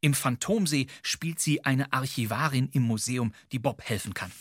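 A man's voice: mid-range voice, normal speed, husky, dry recording, clean studio sound. A man narrating a podcast segment from a script, wry and playful, addressing the listener directly. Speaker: podcast co-host.

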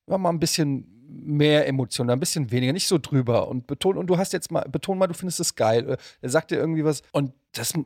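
A man's voice: a little high, a little mellow, no echo, studio quality. A middle-aged man hosting a casual interview in speech, rambling and often interrupting himself in a colloquial way. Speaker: podcast host and interviewer.

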